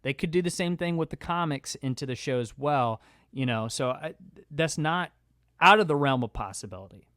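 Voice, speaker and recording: A man's voice: a little high, animated, moderate pace, a bit bright, dry recording, studio quality. A man co-hosting a podcast in casual discussion, talking conversationally and often dropping "like" into his sentences. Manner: conversational, peppers speech with "like". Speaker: podcast co-host.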